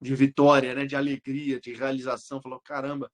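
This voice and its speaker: A young man with a Brazilian Portuguese accent, an exam-prep teacher talking casually with his students, blunt, slangy and quick to swear. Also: mid-range voice, monotone. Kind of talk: casual live chat answering students.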